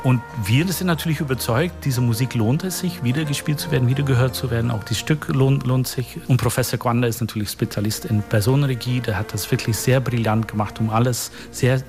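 A man answers an interview with enthusiasm, stopping now and then to restart a word. His voice sits at a middle pitch. Clear music plays behind him. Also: a little fast, hardly any pauses. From Belgium. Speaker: artistic director.

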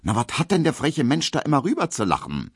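A man doing Emma, a squeaky maid. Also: huge pitch swings, a little fast, husky, dry recording, studio quality, heavily acted. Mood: indignant. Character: young chatty Berlin maid, excitable.

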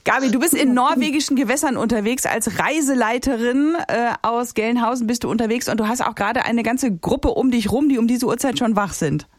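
A woman's voice: a little high, brisk, few pauses, no room sound. Woman radio host, upbeat and chatty, dry close studio mic. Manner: upbeat, chatty, asks short questions. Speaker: radio morning show host. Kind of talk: casual radio chat.

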